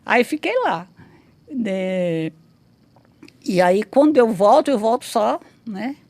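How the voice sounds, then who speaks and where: A woman's voice: medium pitch, animated, takes it slowly, a little mellow, dry recording. A woman in her sixties telling her life story in a casual interview, rambling with many restarts and tag questions. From Brazil. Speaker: interview guest, memoirist.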